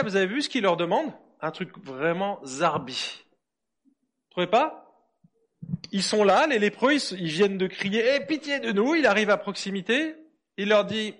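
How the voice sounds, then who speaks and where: Male preacher with a high-pitched voice, informal family sermon, engages his audience with questions. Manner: asks the audience lively questions. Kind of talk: conversational sermon for children and adults.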